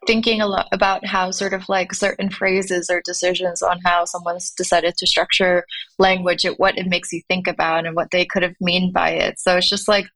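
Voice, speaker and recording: A woman's voice: on the low side, level tone, normal speed, fairly bright tone, rough recording. A young woman from Finland, a startup founder, talking through her ideas thoughtfully with many fillers and restarts in an interview. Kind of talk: conversational interview.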